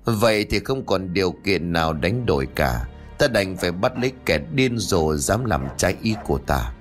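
A man's voice: low-pitched, very animated, normal speed, soft background music. A man voicing a vengeful maiden spirit. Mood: menacing. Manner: cold, threatening, commanding.

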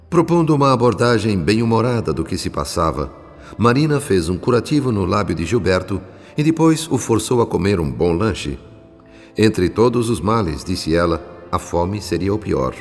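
A man narrating a radio drama from a script, solemn, measured and literary. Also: low voice. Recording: long reverb, music behind.

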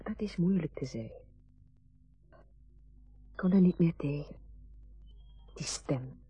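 An actress playing a dry, weary, candid grown daughter in a radio play, speaking in an understated, wry way. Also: female voice, fairly low pitch, slow, dark tone, husky, dry recording, heavily acted. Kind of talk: naturalistic radio drama acting.

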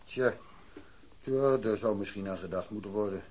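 An actor playing a blunt, dismissive police detective in a radio drama, offhand and colloquial. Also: male voice, fairly low pitch, normal speed, darkish tone, breathy edge, muffled recording. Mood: slightly defensive. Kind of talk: Dutch radio drama acting.

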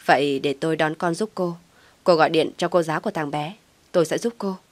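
A woman voicing a kind, steady young man who speaks calmly and reassuringly. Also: low voice, fairly quick, no echo, natural voice. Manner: calm reassuring, a little teasing.

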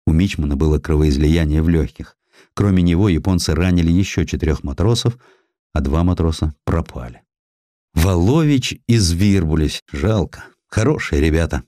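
A man narrating historical prose as an audiobook, with a measured, expressive and dramatic literary delivery. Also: low-pitched, dry recording, studio quality. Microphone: close studio microphone.

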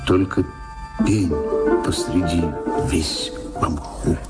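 A man's voice: low-pitched, steady tone, takes it slowly. A man narrating a folk tale in theatrical, rhythmic verse as a radio play storyteller. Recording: roomy echo, loud music behind.

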